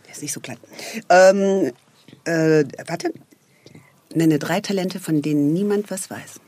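A woman's voice: deep voice, measured pace, darkish tone. A middle-aged woman as a guest on a radio talk show, chatty and enthusiastic, often trailing off mid-sentence. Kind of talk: casual radio chat.

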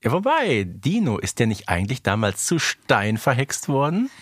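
A man's voice: mid-range voice, huge pitch swings, moderate pace, background noise. A man co-hosting a podcast, chatting casually through a recap and often seeking agreement with little tag questions. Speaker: podcast co-host. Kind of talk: casual chat recapping an audio play.

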